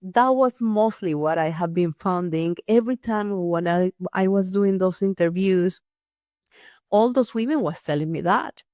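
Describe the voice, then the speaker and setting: A woman's voice: on the low side, a little slow, dark tone, dry recording, clean studio sound. Earnest woman host, nonnative phrasing. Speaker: podcast host, here the guest. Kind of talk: reflective personal storytelling.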